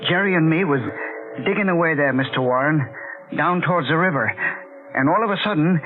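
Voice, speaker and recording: An actor playing a folksy, excitable small-town labourer in old radio drama, hesitant and ungrammatical. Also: male voice, a little high, fairly quick, over music, natural voice. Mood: nervous, deferential. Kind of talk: 1940s radio drama acting. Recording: noisy phone-like old radio recording.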